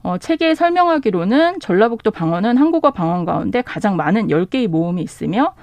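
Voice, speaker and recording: A woman's voice: mid-range voice, very animated, fast, darkish tone, no echo. A woman from Seoul, a bookshop owner chatting as a guest, laughing often. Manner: chatty, laughs often, reads dialect lines aloud. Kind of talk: casual radio chat.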